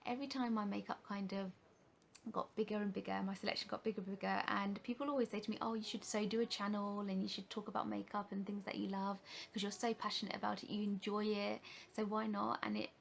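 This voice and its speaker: A woman's voice: medium pitch, little pitch movement, quick pace, gravelly, slight background noise. A woman in her thirties from the UK, a makeup vlogger chatting to camera in a rambling way with many fillers and restarts. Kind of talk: casual rambling talk to camera.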